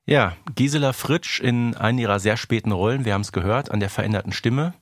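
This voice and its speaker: A man's voice: lowish voice, brisk. A man co-hosting a fan podcast in a casual, conversational style. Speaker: podcast co-host.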